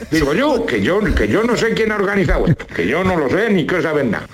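Male, high-pitched. Colloquial comic grumbler, rambling and repetitive. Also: very animated, moderate pace, faint music behind. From La Mancha, Spain. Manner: rambling, colloquial, repeats rhetorical questions. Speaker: regular radio contributor nicknamed as a judge.

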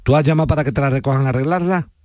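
A man with an Andalusian accent hosting a live radio call-in show, insistent and lecturing, dropping low when he scolds. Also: very fast, dark tone, no room sound, studio quality. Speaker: radio host. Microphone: studio microphone.

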